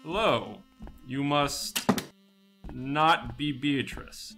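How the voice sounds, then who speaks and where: A man's voice: mid-range voice, extremely slow, over music. An actor playing a wry, slightly awkward male detective in a sci-fi radio drama, dry and hesitant.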